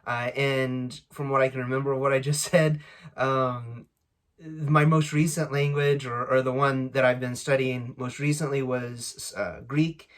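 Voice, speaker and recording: A man speaking casually and unscripted as host of a language-learning channel, often halting as he searches for his words. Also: mid-range voice, steady tone, a bit bright. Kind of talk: casual unscripted introduction to camera.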